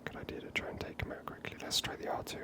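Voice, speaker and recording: A man whispering unhurried ASMR commentary over a video game, breathy and musing aloud as the host.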